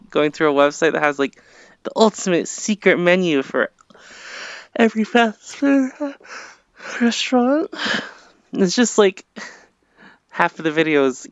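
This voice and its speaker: A man's voice: fairly high pitch, clean tone, no room sound, lo-fi sound. A man streaming live, chatting casually with friends in a laid-back way and swearing freely. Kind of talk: casual chat.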